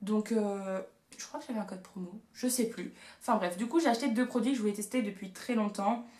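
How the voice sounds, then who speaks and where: A woman's voice: medium pitch, brisk, darkish tone. A young woman in her twenties, chatting casually and gushing through a shopping haul video at home. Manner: chatty and gushing, playful asides. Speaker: beauty and haul vlogger. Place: room at home. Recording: echoey room sound.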